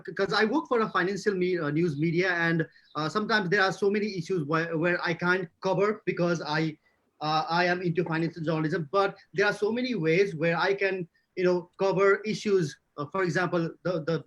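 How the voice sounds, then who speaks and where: A man from Nepal whose first language is not English, a journalist answering questions on a virtual conference panel, halting, with many fillers and restarts. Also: high voice, a bit bright. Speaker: journalist and podcast host. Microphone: video call. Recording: dull lo-fi video call audio.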